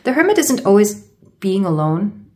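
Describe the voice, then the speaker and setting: A woman's voice: mid-range voice, sing-song, moderate pace, a little mellow. A woman giving a tarot card reading to her viewers, stumbling over her words and sounding congested from a sore throat. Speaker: tarot reader.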